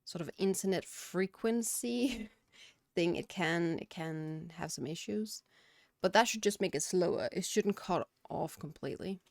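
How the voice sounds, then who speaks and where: A woman's voice: on the low side, a little slow, gravelly, no room sound, studio quality. A woman with a Danish accent, a game streamer chatting casually at her home computer and answering chat. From Denmark. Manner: chatty, reads out chat questions and answers them. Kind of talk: casual chat while gaming. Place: home room, windows and curtains.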